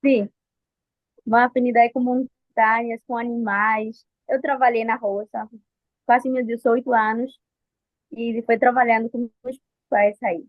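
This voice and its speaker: A woman's voice: fairly high pitch, flat delivery, unhurried, no room sound. A woman in her twenties from Colombia with a Colombian Spanish accent, speaking Portuguese as a second language and answering interview questions hesitantly, with many restarts. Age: 20s. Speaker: interview guest. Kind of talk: nervous personal interview answers. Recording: dry, phone-like audio.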